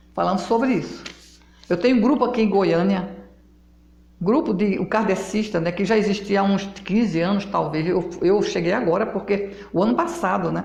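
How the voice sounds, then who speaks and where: A woman speaks at medium pitch. Noticeable background noise and audible room echo are present. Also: ordinary pitch variation, moderate pace. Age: 80s+. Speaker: spiritist religious teacher. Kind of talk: spoken religious talk to an audience. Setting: online video transmission from home. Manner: halting, with repetitions.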